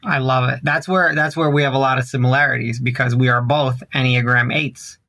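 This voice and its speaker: A man's voice: medium pitch, steady tone, fairly quick, gravelly, sharp tone, no echo. A man, hosting a conversational podcast interview. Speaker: interview host.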